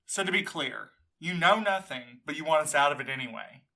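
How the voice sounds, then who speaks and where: Casting: man as a determined young courier, bright and tense voice, higher pitch, pressing hard. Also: lively intonation, brisk. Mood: resolute. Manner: pressing, accusatory. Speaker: courier in an audio drama.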